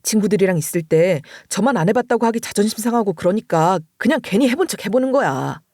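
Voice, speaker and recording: A woman voicing a calm middle-aged husband and father in an audio story, speaking in a soothing, reassuring way. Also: medium pitch, fast talker, no room sound, studio quality.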